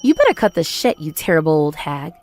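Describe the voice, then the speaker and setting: A woman acts out a bitter, outspoken young woman in a comic dub. She is confrontational and emotional, with very animated pitch, and music plays underneath. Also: a little fast. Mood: furious. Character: wronged adult daughter, bitter, outspoken and hot-tempered. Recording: voice over background music.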